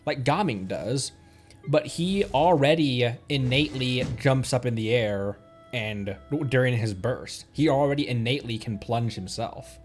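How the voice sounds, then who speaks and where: His medium-pitched voice is expressive and unhurried. Streaming a game, the man chats in a relaxed, rambling way, voicing his thoughts and often doubting himself, with video game music behind him.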